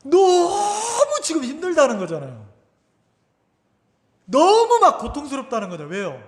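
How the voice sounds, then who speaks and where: A male pastor preaching a sermon, animated, often asking the congregation questions. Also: very high voice, a little slow. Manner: animated, asks the congregation questions, acts out quotes. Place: church sanctuary. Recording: reverberant church hall.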